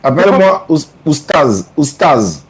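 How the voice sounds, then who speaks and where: A man who is a Muslim preacher, taking callers on a live religious talk show and speaking in a calm, unhurried way that repeats things to confirm them. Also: on the high side, slightly rough, low-quality recording.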